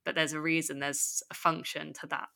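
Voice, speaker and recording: A woman's voice: deep voice, flat delivery, normal speed, creaky, pushed and bright. A woman with a London accent talking thoughtfully about a book on a podcast, with light laughs. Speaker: podcast co-host. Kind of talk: casual book discussion.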